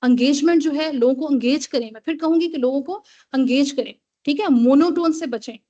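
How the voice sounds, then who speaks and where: High-voiced woman lecturing online. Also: fairly quick, warm tone. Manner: code-switching, repeats "theek hai?" to check in with listeners. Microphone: computer mic on a video call. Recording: dull lo-fi video call audio.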